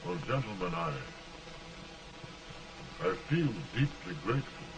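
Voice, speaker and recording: An actor playing a slow-spoken, homespun middle-aged lawyer-statesman with dry humor, heard through early talkie film sound. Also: medium pitch, very animated, creaky. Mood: courteous. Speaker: frontier lawyer and politician. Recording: hissy early sound film, distant mic.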